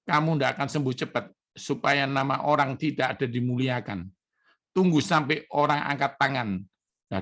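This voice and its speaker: Gravelly-voiced pastor giving an emotional testimony. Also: male voice, mid-range voice, fairly bright tone. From Indonesia. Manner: emotional, addresses congregation as brothers and sisters. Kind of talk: sermon testimony.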